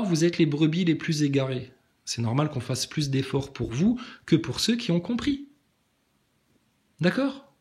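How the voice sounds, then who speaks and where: A man delivering a combative, mocking monologue aimed at his commenters, with big swings in pitch. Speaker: online commentator.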